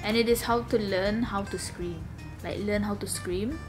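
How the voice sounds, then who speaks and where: Chatty young woman with a slight rasp. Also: steady tone, normal speed, music in the background. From Malaysia. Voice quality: slightly raspy, low for a woman. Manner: rambling, chatty, many fillers and laughs. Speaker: vlogger. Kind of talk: casual sit-down vlog chat. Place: home room.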